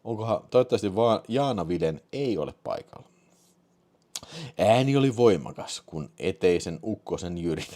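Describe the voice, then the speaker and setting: Low-voiced man reading with lively swings. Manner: mock-serious reading broken by amused asides. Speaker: host of a live film show. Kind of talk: live stream chat and comic reading aloud.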